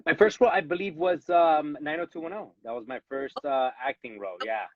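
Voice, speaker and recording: His voice sits on the high side and moves a little fast, in a muffled recording without echo. He is an actor with a Latino, Cuban-American accent, born in Los Angeles and raised in Miami by Cuban parents, and he is being interviewed live and casually from home. Earnest about his acting career, he keeps restarting sentences and repeating their opening words.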